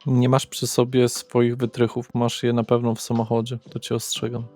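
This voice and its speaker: A man's voice: medium pitch, monotone, moderate pace, a little mellow, faint music behind. A man narrating a tabletop roleplaying game as its game master.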